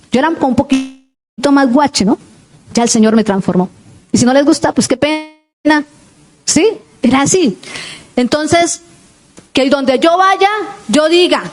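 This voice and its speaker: A woman's voice: high voice, a little mellow. A woman pastor, preaching a fervent sermon that keeps putting questions to the congregation. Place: church.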